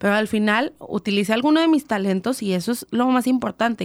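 Here is a normal speaking voice from a woman with fairly high pitch and ordinary pitch variation. She goes at a fairly quick pace, with a dry, close sound and no echo. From Torreón, Coahuila, northern Mexico. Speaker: entrepreneur, domestic staffing business owner. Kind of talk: casual interview. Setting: radio studio.

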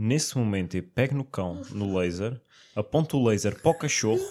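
A man speaks at a medium pitch and moderate pace, his dark, mellow tone carrying lively intonation. The recording is very clean, with a silent background. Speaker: podcast co-host. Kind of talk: casual chat.

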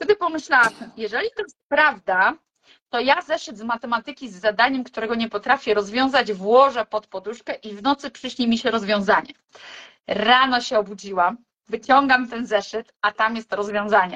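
A woman's fairly high voice, an ordinary speaking voice, with ordinary pitch variation, a fairly quick pace, big swings in loudness and a dry, close sound with no echo. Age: 40s. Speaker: nutrition and health coach. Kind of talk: casual chat. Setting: video call.

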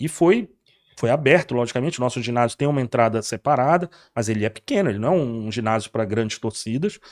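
A man of medium pitch talks at a very fast pace with lively intonation, the sound dry and close with no echo and the background quiet. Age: 50s. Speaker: social club president. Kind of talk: podcast interview.

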